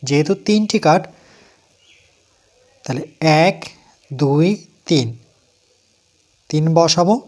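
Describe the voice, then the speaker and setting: A man with a fairly high voice and a West Bengal Bengali accent talks students through a place-value lesson. He counts each item aloud in a patient, steady rhythm. He keeps asking the class questions and then answers them himself. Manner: counts aloud slowly, asks and answers his own questions. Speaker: math teacher. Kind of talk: step-by-step math lesson.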